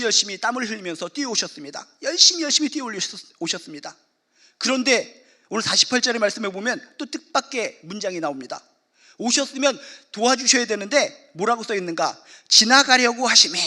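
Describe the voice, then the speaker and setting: A man's voice: extremely high pitch, pushed and bright. A male pastor preaching a sermon emphatically, repeating key phrases for effect.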